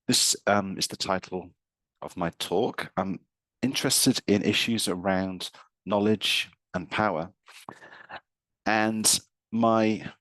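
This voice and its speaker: A university lecturer, a man, presenting his research over a video call, a bit hoarse from being unwell and repeating words as he thinks. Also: sits low, fairly bright tone, dry recording, rough recording. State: slightly hoarse from illness. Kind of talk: academic presentation.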